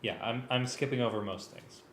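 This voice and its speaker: A man's voice: medium pitch, fairly quick, fairly bright tone. A man in a casual working discussion about arranging music, thinking aloud in a hesitant way. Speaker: music arranger rehearsing for a live script reading. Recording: echoey room with faint background noise.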